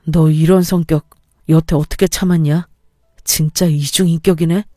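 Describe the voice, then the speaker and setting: Woman doing a blunt angry husband, lowered voice, accusing, warm and mellow, dry close sound. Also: steady tone, moderate pace, no echo, soft background music, close to an everyday voice. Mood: contemptuous. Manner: curt, accusing, talks down.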